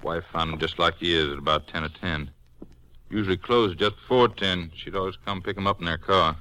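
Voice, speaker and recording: Low, forceful country sheriff. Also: male voice, brisk, clean tone. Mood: businesslike. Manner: folksy, clipped, plain-spoken. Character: cooperative, down-to-earth male small-town Texas sheriff. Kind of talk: 1950s radio western detective acting.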